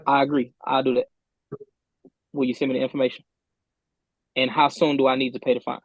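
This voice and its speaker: A man's voice: medium pitch, little pitch movement, a little fast. A man speaking as a defendant in a remote court hearing over buzzy, glitchy call audio, stammering and repeating words as he presses his point. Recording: dull, dry call line.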